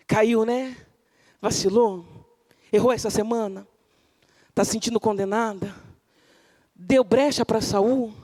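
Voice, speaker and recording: A woman pastor preaching a sermon, dramatic and animated, shouting at peaks and dropping to near whispers, acting out the figures she quotes. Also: fairly high pitch, in a large hall. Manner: acts out biblical figures in quoted voices, laughs with the congregation.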